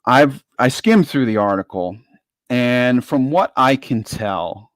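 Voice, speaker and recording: A man's voice: mid-range voice, animated, takes it slowly, dry recording. A man giving informal political commentary in an emphatic way, repeating phrases for stress. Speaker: guest commentator.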